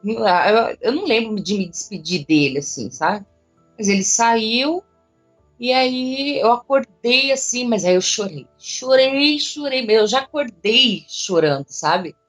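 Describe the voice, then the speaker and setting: A woman's voice: mid-range voice, unhurried, faint music behind. Emotional woman. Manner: emotional, animated storytelling with casual slang. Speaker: interviewee, psychic. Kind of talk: personal storytelling in an interview.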